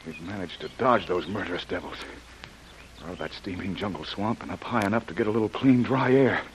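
An actor playing a rugged male jungle adventurer, steady and reassuring, in 1930s radio drama style. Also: sits low, fairly quick, slight background noise, natural voice, low-quality recording. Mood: determined. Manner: steady, reassuring, talking to himself.

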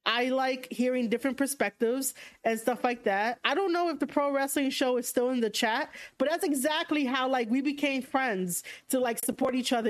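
A young woman with a New York accent, hosting a casual livestream podcast, speaking frankly and rambling with lots of fillers and restarts. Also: a little high. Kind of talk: casual livestream chat reading viewer comments.

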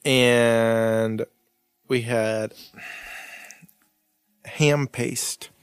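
A man's voice: mid-range voice, steady tone, drawn-out words, clear, resonant tone, dry recording, faint music behind. A young man co-hosting a podcast in casual chat, rambling, swearing freely and laughing often. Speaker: podcast co-host.

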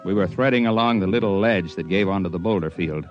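An actor playing a mountain climber who narrates the story and trades wry jokes, in a radio drama. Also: male voice, low voice, quick pace, dull audio, soft background music, natural voice. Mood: telling. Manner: wry, joking.

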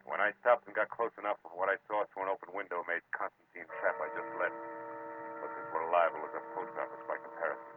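Actor as a deep-voiced hard-boiled private eye. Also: male voice, close to an everyday voice. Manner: terse, sardonic, hard-boiled. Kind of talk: 1940s radio detective drama narration. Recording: noisy, muffled old radio recording.

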